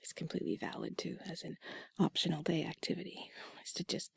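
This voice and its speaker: Soft breathy woman, intimate whispered role-play. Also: lowish voice, flat delivery. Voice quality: breathy, husky. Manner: soothing, intimate, unhurried conversational musing. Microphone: close microphone, dry sound.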